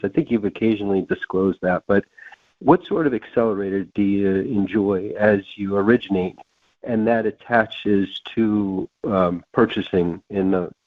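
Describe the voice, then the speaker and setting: Low-voiced man on a narrow phone line. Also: no room sound. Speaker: financial analyst. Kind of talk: asking a question on earnings call.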